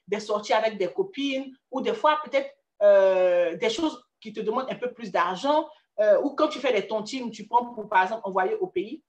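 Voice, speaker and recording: This Ivorian woman, whose French accent comes from Ivory Coast, has a fairly high voice that echoes around a reverberant space. Her career coaching is a chatty, casual pep talk aimed straight at the listener, full of frequent restarts.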